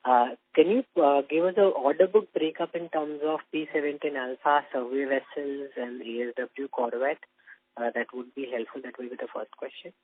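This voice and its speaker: A man's voice: mid-range voice, steady tone, normal speed, no room sound. A man with an Indian accent asking questions as a financial analyst, polite and businesslike. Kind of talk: earnings call questions. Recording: narrow phone line.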